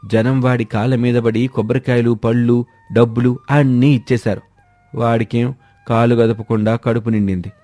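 A man's voice: mid-range voice, flat delivery, moderate pace, dark tone, dry recording, natural voice. A man playing a scheming idler husband who poses as a holy swami in a moral story, talking in a grandiose, persuasive, preachy way. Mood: scheming, boastful. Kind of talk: acted Telugu moral story dialogue. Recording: music behind a dry voice.

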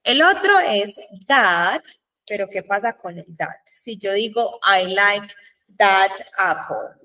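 A woman's voice: medium pitch, expressive, sharp tone, recorded from a distance, low-quality recording. A woman with a Colombian Spanish accent, teaching an English grammar lesson to a class and checking in with the students often. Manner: slow, drawn-out model sentences, frequent "¿Listo?" checks.

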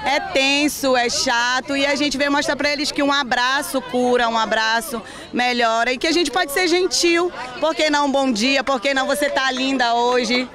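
A woman's voice: high-pitched, moderate pace. A woman with a northern Brazilian accent, talking in a street interview outdoors in an upbeat, encouraging way into a handheld mic. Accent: Brazilian Portuguese, northern. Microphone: handheld reporter mic. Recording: lively crowd around.

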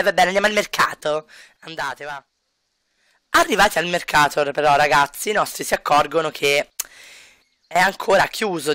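A man chats casually to his viewers while he plays, dropping wry, joking asides. His voice is high and bright. It is recorded dry and close to the mic. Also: no echo. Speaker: let's play commentator. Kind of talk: casual game commentary to viewers.

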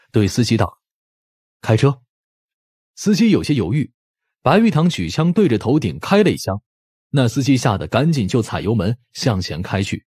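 Husky, expressive male audiobook narrator. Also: mid-range voice, no echo, clean studio sound. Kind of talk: dramatic scripted narration.

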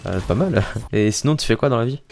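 A man's voice: medium pitch, animated, fast talker, creaky, a little mellow, faint music behind. A young man from the Paris area with a French accent, chatting casually and in slang as a gaming YouTuber on a desk microphone. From France, Paris area. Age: young adult. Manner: informal, slangy. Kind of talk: casual gaming vlog chat. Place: small home gaming room. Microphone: desk studio microphone on arm.

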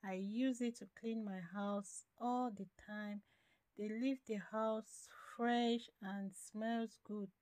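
A woman's voice: a little high, steady tone, slow pace, a little mellow, no room sound. A woman in her thirties narrating a home vlog in a casual, simple explanatory way, repeating words for emphasis. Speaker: home vlogger. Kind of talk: casual cook-and-clean voice-over narration.

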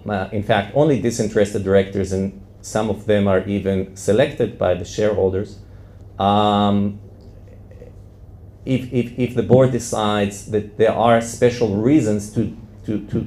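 Male panelist, forties, dark relaxed voice, hesitant academic delivery, roomy conference sound. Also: on the low side, measured pace. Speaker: law professor, conference panelist. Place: classroom-sized indoor conference room with audience. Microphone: handheld microphone close to mouth.

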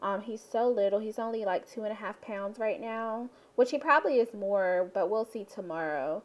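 A woman's voice: medium pitch, moderate pace. A young woman and mother chatting casually in a home vlog, rambling with lots of ums. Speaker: vlogger, mother. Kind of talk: casual family vlog chat. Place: home living room.

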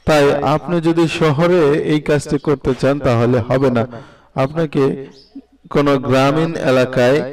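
A man's voice: mid-range voice, darkish tone, distant mic. A young man from Bangladesh with a Bangladeshi accent, hosting an explainer video and addressing the viewer directly. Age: young adult. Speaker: video host. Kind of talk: explainer narration of business ideas.

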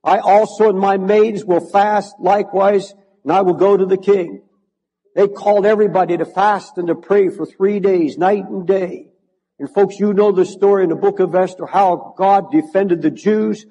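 An older male pastor preaching in a large church, his voice sitting notably high for a man. He builds into fervent, emphatic repetition. The sound carries a long reverb from the hall. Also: fairly even intonation, moderate pace, mellow, dull audio. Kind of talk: sermon.

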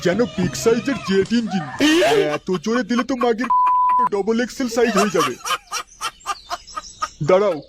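A man's voice: high-pitched, moderate pace, long pauses, over loud music, close to an everyday voice. A man voicing a hot-tempered, suspicious middle-aged father in a comedy cartoon, coarse and exclamatory in his talk. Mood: angry, outraged.

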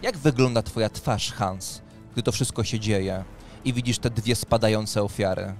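A man's voice: on the low side, moderate pace. Man narrating a tabletop fantasy game. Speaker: game master and host. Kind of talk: narrating a tabletop role-playing session. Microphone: close studio microphone on a boom arm, headphones. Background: faint background music.

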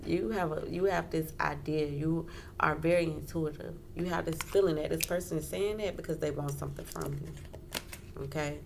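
The host of this casual tarot reading is a woman with a low, slightly mellow voice and a steady tone at normal speed. She talks informally at a wooden table indoors, repeating phrases and checking in often, and the home recording is clearly noisy.

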